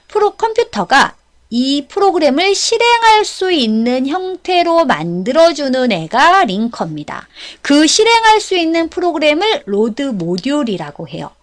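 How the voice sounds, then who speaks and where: A woman teaching an exam course in a high voice with lively, swinging intonation. She explains step by step in an instructive way and often checks in with short questions to the learner.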